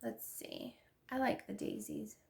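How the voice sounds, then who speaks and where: A woman's voice: medium pitch, wildly swooping pitch, a little slow, creaky, darkish tone. A young woman with a stuffy nose from allergies, chatting casually and gushing as she decorates her planner. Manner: chatty, gushing, restarts often. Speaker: planner vlogger.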